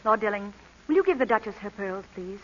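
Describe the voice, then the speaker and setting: An actress playing a cool, witty society jewel thief in an old-time radio drama, poised and dry. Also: female voice, medium pitch, lively intonation, fairly quick, natural voice. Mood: defiant, dry. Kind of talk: 1930s-40s radio drama acting. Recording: dull vintage radio broadcast recording.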